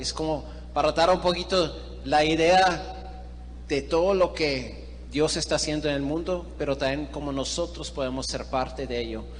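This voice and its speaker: Noticeable background noise runs through the clip. There is audible room echo. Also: man. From Switzerland. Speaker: missionary guest preacher. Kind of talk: sermon. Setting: church. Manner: halting.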